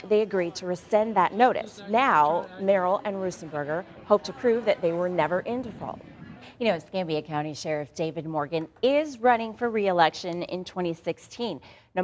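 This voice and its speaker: A woman's voice: mid-range voice, a little mellow, slight background noise. A woman anchoring morning news, mixing read stories with playful, casual banter aimed straight at listeners. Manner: conversational, playful, addresses listeners directly.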